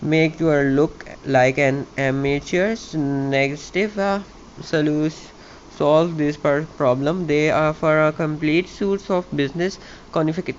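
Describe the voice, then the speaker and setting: A man with a South Asian accent, native in Hindi or Urdu, presents a tech video in a slightly high voice. His delivery is halting, with stumbles and repeated words. The recording is dull and lo-fi, with faint background noise. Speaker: YouTube tech channel host. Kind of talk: tutorial, reading an article aloud with casual asides. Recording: muffled lo-fi mic with background noise.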